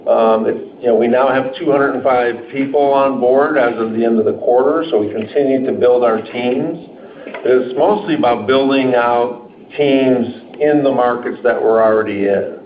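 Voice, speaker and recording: A man's voice: medium pitch, moderate pace. A man speaking as a company executive, answering off the cuff on an earnings call in a conversational, stop-and-start way. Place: indoor room on a conference call. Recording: roomy muffled conference call, noisy.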